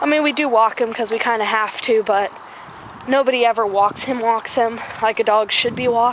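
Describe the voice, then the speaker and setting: A woman's fairly high voice at a moderate pace with ordinary pitch variation, over noticeable background noise. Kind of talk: casual vlog talk while walking outdoors. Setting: outdoors. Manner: rambling.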